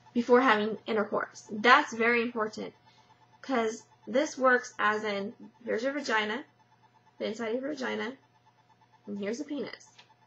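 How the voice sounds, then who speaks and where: With music in the background, a woman speaks in a fairly high voice with fairly even intonation, big swings in loudness and long, frequent pauses. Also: moderate pace. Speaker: vlogger reviewing a product. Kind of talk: casual product review vlog.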